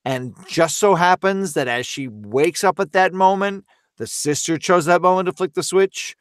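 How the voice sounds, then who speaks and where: A man with a smooth, resonant voice at an average pitch chats on a podcast. He is expressive, sometimes halting and doubling back on words, and he sounds close and dry. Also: no echo. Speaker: voice actor, podcast guest. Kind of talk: casual podcast discussion.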